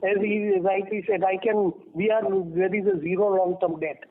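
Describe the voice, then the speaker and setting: An Indian-accented man with a high-pitched voice speaks over a narrow, tinny phone conference line. He is a company executive giving unscripted answers, emphatic and prone to repeating phrases for stress. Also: steady tone, moderate pace. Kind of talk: unscripted answers on an earnings call. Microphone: telephone.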